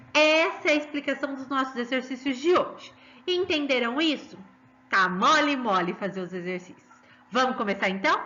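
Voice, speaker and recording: Lively high-voiced woman teacher, Brazilian Portuguese. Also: lo-fi sound. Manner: sing-song, coaxing, slow syllable stressing. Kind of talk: children's lesson.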